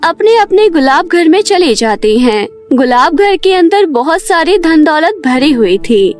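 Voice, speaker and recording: A woman's voice: very high voice, very animated, measured pace, a little mellow, faint music behind. A woman giving scripted narration for a children's cartoon story.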